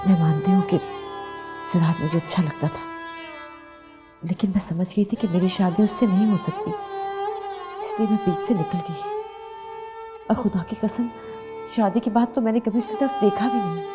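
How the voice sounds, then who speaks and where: A woman's voice: medium pitch, expressive, moderate pace, pauses often, music in the background, lightly acted. An actress playing a desperate, guilt-ridden woman who pleads emotionally, in Pakistani Urdu. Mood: pleading. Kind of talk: TV drama acting.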